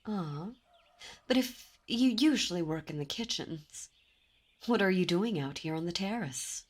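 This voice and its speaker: A woman's voice: fairly low pitch, expressive, unhurried. A woman voicing a commanding, seductive demon princess in an ASMR roleplay, speaking in a teasing, imperious and intimate way. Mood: intrigued.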